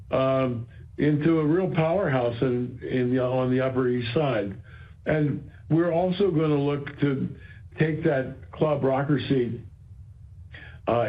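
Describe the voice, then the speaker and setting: A man speaking as a company executive on an earnings call, explaining in a halting way and repeating phrases for emphasis. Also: medium pitch. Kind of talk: earnings call remarks, semi-prepared explanation. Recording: dull, band-limited conference call audio.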